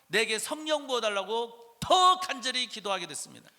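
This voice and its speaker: Raised and projected, a man's high voice has a bright, sharp tone and moves at a fairly quick pace. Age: 60s. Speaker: pastor. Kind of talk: sermon. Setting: conference stage with audience and interpreter. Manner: halting, pausing for interpreter.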